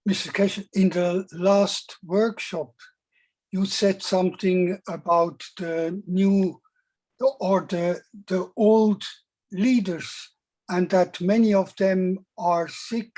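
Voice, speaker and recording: A woman's voice: fairly low pitch, fairly even intonation, slow pace, a little mellow. A woman with a Dutch accent carefully putting a question in a meeting, hesitant and building it phrase by phrase. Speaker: meeting participant asking a question.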